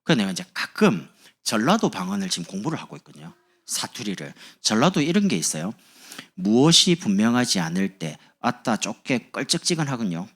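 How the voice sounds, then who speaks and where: A man's voice: lowish voice, very animated, a little fast, a bit bright, husky. A man preaching as a pastor, speaking in a chatty, humorous sermon to his congregation in a church. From Busan, South Korea. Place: church sanctuary.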